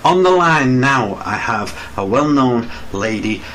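A man's voice: mid-range voice, lively intonation, takes it slowly, fairly bright tone. A man hosting a live radio show, presenting in a casual, chatty style. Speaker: radio host. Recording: noticeable background noise.

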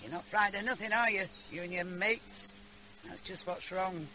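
A woman's voice: lowish voice, normal speed, sharp tone, a little hiss or hum. An actress playing a blunt, wry old country grandmother with a Northern English accent in a radio drama. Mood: scolding, dry. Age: older. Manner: plain-spoken, dry, homely. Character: blunt, wry old rural grandmother, fond but scolding.

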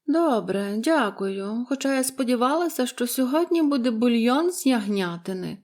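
A woman voicing a fretful, peevish bedridden woman of about forty, who speaks slowly and dryly in a storybook reading. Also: fairly high pitch, lively intonation, a little mellow, pitched above the performer's own voice. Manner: fretful, sullen, slow and dry.

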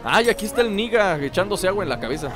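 Animated young man joking over gameplay. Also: sits high, quick pace. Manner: joking, animated, talks to the game. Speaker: gameplay commentator. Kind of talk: casual gameplay commentary. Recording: voice over loud game music.

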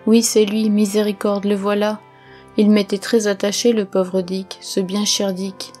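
A woman's voice: mid-range voice, little pitch movement, unhurried, warm tone, soft background music, natural voice. A woman reading the part of an old miserly man, moved and exclaiming over memories, in an audiobook. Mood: fond.

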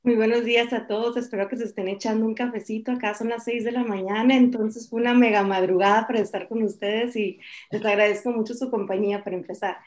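A woman in her forties, a journalist speaking on a conference panel over a video call, candid and lively with joking asides. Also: a little high, fast talker. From Mexico. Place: home office, indoors.

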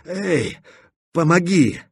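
A terrified young stalker, barely out of boyhood, begging in a thin, high voice as a man acts him out. The tone is husky and strained. It sounds dry and close, like a storybook reading. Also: takes it slowly, a little mellow, no room sound, heavily acted. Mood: pleading. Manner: panicked, strained high pleading. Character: terrified young male stalker, sobbing, pleading.

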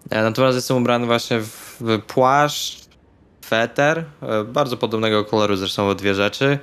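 A man's voice: mid-range voice, normal speed, fairly bright tone, clear, resonant tone. A man speaking casually and bluntly as a player in a tabletop role-playing session. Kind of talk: casual in-character banter in Polish tabletop session.

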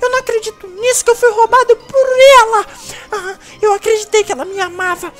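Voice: very high voice, fairly even intonation, brisk. A performer voicing a cheeky, thieving male mouse, whiny and exasperated, in a Minecraft role-play. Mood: upset, whiny.

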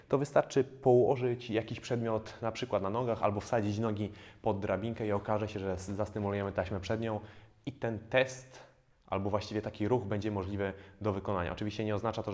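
A man in his thirties, a fitness trainer, calmly explaining core exercises with frequent hesitation fillers, recorded on a lapel mic in a bare indoor studio. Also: fairly low pitch, a little fast. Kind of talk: instructional exercise video.

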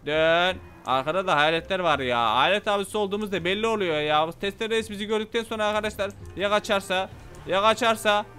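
A man giving loud, playful gameplay commentary, shouting at the game's characters as he plays. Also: high-pitched, a little fast, smooth, soft background music. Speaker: gaming channel host.

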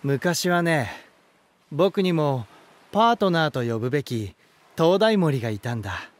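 Genial male lighthouse spirit, elegant, slow storytelling, lightly high-pitched, theatrical voice drama delivery. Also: animated. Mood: wistful. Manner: smooth-mannered, theatrical, unhurried storytelling. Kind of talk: Japanese voice drama acting.

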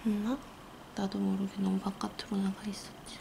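Creaky-voiced woman with Gyeongsang accent. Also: mid-range voice, moderate pace. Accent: Gyeongsang Korean. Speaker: nail art instructor. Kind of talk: casual hands-on tutorial chat. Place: indoor nail art studio. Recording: noisy room, steady background noise.

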